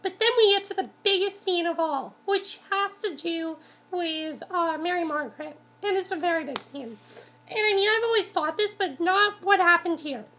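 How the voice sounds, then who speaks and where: A woman's voice: very high-pitched, normal speed, sharp tone. A woman casually reviewing a TV episode, congested from a cold, rambling with many ums and restarts.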